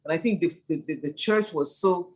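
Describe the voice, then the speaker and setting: A woman's voice: low-pitched, brisk, a little mellow, a little hiss or hum. A middle-aged woman, a church leader and former lawyer, earnestly recalling her early years in an interview answer. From Nigeria. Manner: earnest, enthusiastic, repeats words as she builds up.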